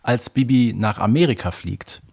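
A man talks as one of a podcast's hosts. His voice is of average male pitch. He explains his points informally, in the loose style of a conversation. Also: moderate pace, creaky, a little mellow, husky. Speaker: podcast co-host. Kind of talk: casual explanatory podcast chat.

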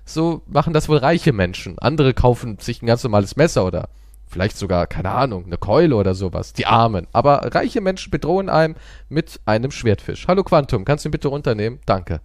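Male podcast host, teasing mock-dramatic banter, lively delivery, dry close sound. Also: mid-range voice, a little fast, no room sound. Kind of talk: casual comedic chat.

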